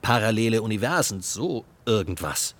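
An actor playing a skeptical, easily irritated hiker in an audio drama, speaking in a dry, blunt manner. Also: male voice, on the low side, expressive, normal speed. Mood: uneasy, puzzled. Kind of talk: scripted audio drama dialogue.

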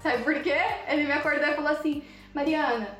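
A woman telling a story in casual chat, animated, breaking into excited squeals as she relives moments. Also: high voice, fairly quick, echoey room, soft background music.

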